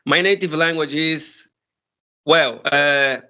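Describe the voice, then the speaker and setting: Angolan guy w portuguese accent, kinda high voice, chatty and friendly, laughs a lot. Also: fairly even intonation, takes it slowly, bright, forceful tone. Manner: friendly, thoughtful, laughs often. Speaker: conversation partner. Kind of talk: casual chat.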